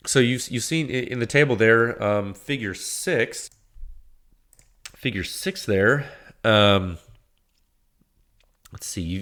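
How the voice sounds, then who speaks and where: A man hosting a technical podcast, congested from a cold, explaining measurements in a halting way with many restarts. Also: fairly low pitch, fairly bright tone. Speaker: podcast host. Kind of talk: technical talk.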